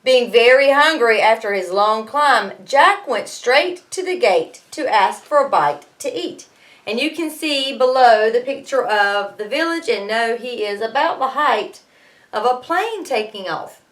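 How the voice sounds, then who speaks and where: Animated high-voiced woman teacher reading aloud. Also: measured pace. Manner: expressive, explanatory. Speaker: schoolteacher reading to students. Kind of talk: storybook read-aloud with explanatory asides.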